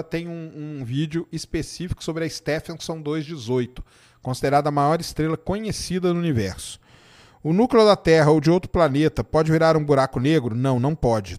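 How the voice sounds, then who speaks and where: A science live-stream host, this middle-aged Brazilian man has a somewhat high, slightly mellow voice and a Minas Gerais accent. He chats informally with his viewers, replying to questions from the chat and ending them with "tá?".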